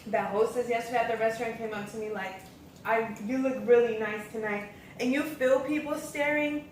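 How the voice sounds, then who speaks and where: A woman's voice: fairly high pitch, steady tone, a little fast. A young American woman vlogger in casual, informal storytelling chat. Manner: informal, acts out quoted remarks. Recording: echoey room, distant mic, faint noise.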